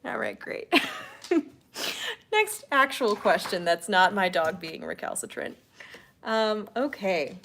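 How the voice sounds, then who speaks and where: A woman's voice: mid-range voice, expressive, a little slow, vocal fry, a bit bright. A woman co-hosting a casual, slightly tipsy question-and-answer stream, chatty and playful with lots of fillers. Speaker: podcast co-host answering listener questions.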